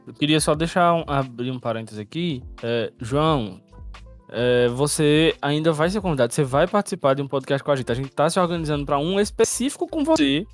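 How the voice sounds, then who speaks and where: Host guy fumbling a bit as he moves the chat on, highish voice, music low behind. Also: lively intonation, brisk. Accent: Brazilian Portuguese. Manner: hesitant, restarting, steering the talk. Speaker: podcast host. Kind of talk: casual chat.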